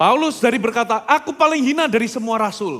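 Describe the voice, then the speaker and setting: The speaker goes at a fairly quick pace. The tone is angry and animated. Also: man. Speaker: pastor. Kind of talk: sermon. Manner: rising, sharp intonation that sounds angry.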